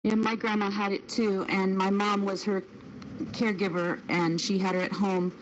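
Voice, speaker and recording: A woman's voice: mid-range voice, little pitch movement, moderate pace, lo-fi sound, a little hiss or hum. A woman with a North American accent, casually sharing personal recollections as a panelist in a group chat.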